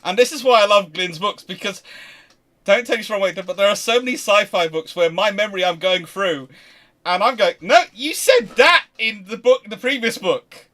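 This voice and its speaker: A man's voice: high-pitched, moderate pace, a bit bright. A man hosting a casual history livestream, talking in an effusive, rambling way. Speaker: host of a naval history livestream.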